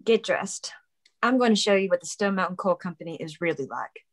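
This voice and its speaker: A woman's voice: lowish voice, animated, a little fast. Frank, teasing young small-town woman, played by an actress. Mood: indignant. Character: plain-spoken, teasing young coal-town woman, loyal daughter. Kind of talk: dramatic table read.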